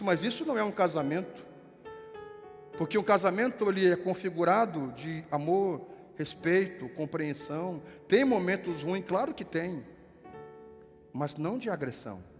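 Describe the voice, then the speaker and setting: A man's voice: fairly high pitch, in a large hall. A male pastor with a southern Brazilian accent preaching a sermon in a conversational, storytelling manner, acting out the dialogue. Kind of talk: sermon with anecdotes. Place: church.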